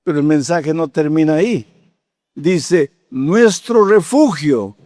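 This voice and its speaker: Man, 80s, pastor delivering a sermon; slightly high voice, dry close sound, animated storyteller turning to urgent exhortation. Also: unhurried, dry recording. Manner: storytelling preacher, acting out dialogue, rising to fervent exhortation.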